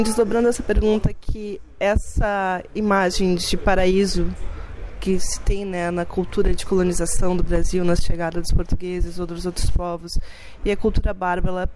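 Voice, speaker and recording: Measured radio interviewer. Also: medium pitch, background noise. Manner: measured, formal questioning. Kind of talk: interview questions.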